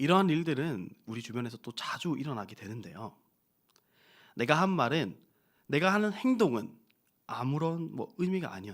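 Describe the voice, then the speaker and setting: Speaking at a moderate pace, this voice has very wide pitch swings, big swings in loudness, and long, frequent pauses. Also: man, fairly high pitch for a man. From South Korea, Ulsan (Gyeongsang). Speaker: preacher (junior pastor). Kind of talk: sermon. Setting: church. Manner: halting, many fillers.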